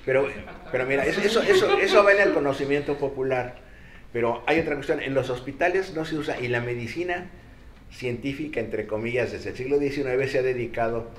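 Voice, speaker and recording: A man's voice: mid-range voice, fairly quick, fairly bright tone. An older man with a Mexican accent, explaining things as a guest expert in a colloquial way. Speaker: guest expert, doctor and professor. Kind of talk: explanatory panel discussion. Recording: echoey room with faint noise.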